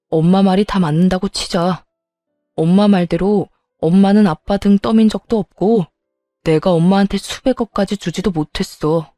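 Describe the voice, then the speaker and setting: A woman's voice: medium pitch, no echo, clean studio sound, lightly acted. A woman voicing a furious grown son who reproaches his mother and coldly breaks ties with her, in a scripted story. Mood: resolved. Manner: shouting reproach, then cold resolve.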